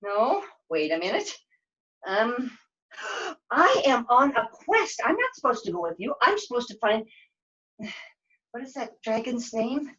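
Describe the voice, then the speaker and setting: A woman's voice: a little high, sing-song, a little slow, pauses often, a bit bright, highs cut off. A woman voicing a flustered, forgetful young dishwasher in a puppet show, hesitant and dithering. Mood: nervous, protesting. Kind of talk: puppet show character acting.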